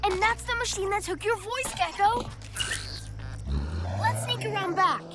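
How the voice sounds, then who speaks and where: High-voiced eager boy superhero. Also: lively intonation, unhurried. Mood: confident. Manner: urgent, emphatic. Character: earnest boy cat superhero, eager team leader. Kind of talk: cartoon acting. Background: music.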